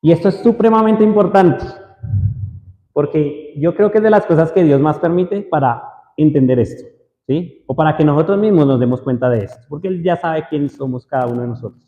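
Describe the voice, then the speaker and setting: Preacher, male, fairly high voice, questions the crowd often; dull recording in an echoey hall. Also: a little fast. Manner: asks the audience frequent questions. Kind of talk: sermon to a congregation. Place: church hall. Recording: roomy hall echo, dull lo-fi sound.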